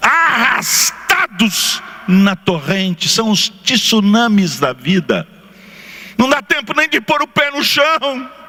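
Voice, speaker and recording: Through noticeable background noise, a man speaks very slowly with lively intonation. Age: 60s. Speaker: pastor. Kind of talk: sermon. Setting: church.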